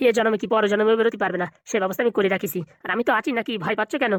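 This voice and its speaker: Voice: medium pitch, fairly even intonation, rapid-fire, no echo, studio quality, natural voice. A performer voicing a crafty male lawyer in a cartoon comedy, offering slick, confident reassurance.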